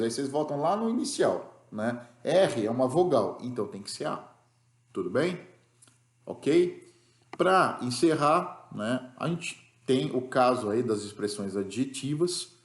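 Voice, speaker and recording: A man's voice: mid-range voice, expressive, unhurried. Brazilian man teaching grammar, echoey room. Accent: Brazilian Portuguese. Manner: explanatory, repeats checks like "tá?" and "né?". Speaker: English teacher. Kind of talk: recorded classroom lesson.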